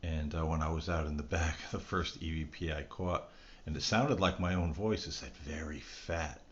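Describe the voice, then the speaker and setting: A man's voice: a bass voice, fairly even intonation, brisk, a bit bright. A middle-aged man hosting a channel, speaking to camera in a casual, reflective, earnest and rambling conversational way. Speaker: host of a spirit recording channel. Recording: dull lo-fi sound with background noise.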